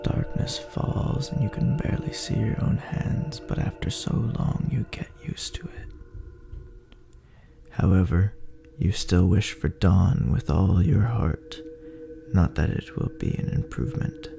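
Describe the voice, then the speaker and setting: Male narrator, low-pitched, very heavy vocal fry, breathy, brooding, theatrical horror storytelling, music underneath. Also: measured pace. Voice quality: breathy, gravelly, often near-whisper. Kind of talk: dramatic horror story narration in second person.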